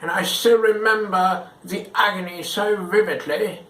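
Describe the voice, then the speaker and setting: A gruff old soldier with a raised, strained timbre and a scolding edge, as a young man acts him out. He speaks loudly and sternly in an echoey room. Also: high voice, steady tone, a little slow, recorded from a distance. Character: old British war veteran, stern and proud.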